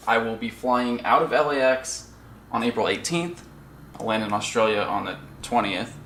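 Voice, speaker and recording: Filming in stores and his car, a channel host chats loosely to the camera with self-aware side comments. The surroundings are noisy and ambient, and his medium-pitched voice has a slight brightness.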